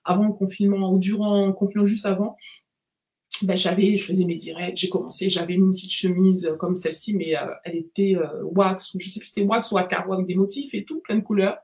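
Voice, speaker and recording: A French woman, a life coach, giving a lively, animated motivational talk on a live stream and mixing English phrases into her speech. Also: mid-range voice, quick pace. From France. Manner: lively, repeats words, mixes in English phrases.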